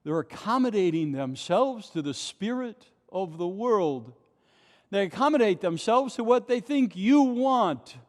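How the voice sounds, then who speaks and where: A man's voice: high-pitched, big pitch swings, a little slow. Male pastor preaching at a pulpit microphone. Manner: impassioned, asks rhetorical questions. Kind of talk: sermon. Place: large nearly empty church. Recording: long church reverb.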